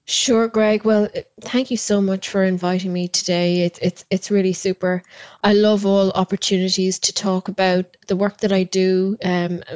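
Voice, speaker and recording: Irish lady from cork, excited podcast guest, repeats words a lot, dry close sound. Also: mid-range voice, normal speed, no room sound. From Ireland. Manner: enthusiastic, repeats words while searching for phrasing. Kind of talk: conversational interview. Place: home.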